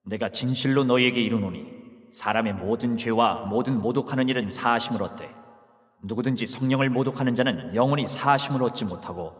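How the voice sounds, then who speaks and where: A man voicing Jesus as a grave, solemn teacher in a dramatized scripture reading, speaking slowly and with measured weight. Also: mid-range voice, long reverb tail, natural voice.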